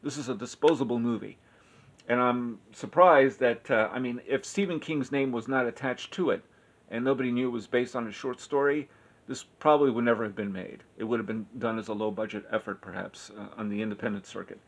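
Gravelly man rambling through a movie review. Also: mid-range voice. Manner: rambling, halting, with frequent self-corrections and filler. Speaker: film reviewer. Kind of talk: casual spoken movie review.

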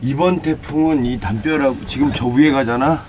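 A man's voice: mid-range voice, moderate pace, a little mellow, a little hiss or hum. A man narrating a casual vlog to his viewers, talking in a colloquial, blunt, slangy way. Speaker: vlog host.

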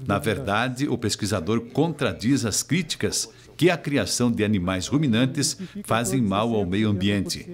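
A man's voice: on the low side, lively intonation, a little slow, crowd noise. A man with a Brazilian accent reading scripted news narration as a reporter.

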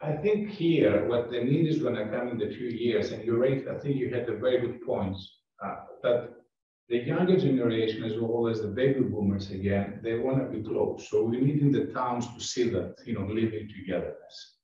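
A man's voice: medium pitch, normal speed, far from the mic. A man from Greece with Greek as his first language, speaking in a casual town board meeting discussion, searching for words and restarting phrases. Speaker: board member. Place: town meeting room, large table. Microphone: far room microphone. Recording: echoey meeting room from afar, dull.

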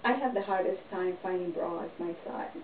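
A middle-aged woman performer giving a deadpan, tongue-in-cheek monologue to camera. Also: fairly low pitch, normal speed, background noise. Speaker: comedy performer. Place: small indoor room, plain wall. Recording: echoey, distant, dull home recording.

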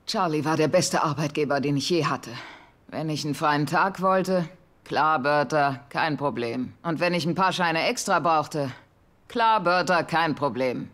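A gruff housekeeper from a dubbed sitcom, played by a woman, with a low, mannish pitch. She talks bluntly and crudely in a deadpan way. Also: measured pace.

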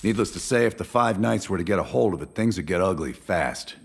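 An actor playing a stern middle-aged military handler in a video game, giving briefings and orders with a gravelly voice. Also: male voice, low-pitched, animated, a little fast, heavily acted. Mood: grave, urgent. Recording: loud background music.

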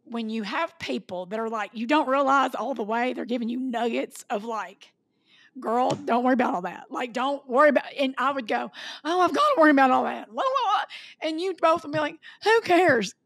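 A woman, co-hosting a podcast over a video call, talking in a gushing, animated way and laughing often. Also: high voice, fairly quick, dry recording, studio quality. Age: 40s. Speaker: podcast co-host. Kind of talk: casual chat. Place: home room on a video call.

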